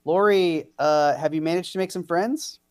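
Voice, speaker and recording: A man hosting improv games, hesitant and full of drawn-out fillers. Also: a little high, a little mellow, smooth. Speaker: host.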